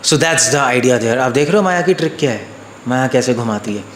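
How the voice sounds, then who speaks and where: A man delivers a casual spiritual discourse to a gathered audience, throwing questions back at the listeners. His voice sits in an ordinary middle pitch. The room rings with echo, and faint background noise hangs underneath. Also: moderate pace. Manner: conversational, asks listeners questions, mixes in English words; acts out quoted voices in a lower, softer tone. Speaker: monk and spiritual teacher. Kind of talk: informal Hindi discourse to a live audience.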